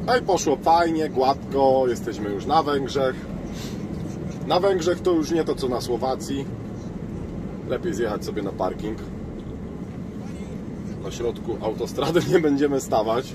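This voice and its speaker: A man's speech with long, frequent pauses and noticeable background noise. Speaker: truck driver vlogger. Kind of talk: casual vlog chat. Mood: relaxed, upbeat. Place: car. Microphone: phone near.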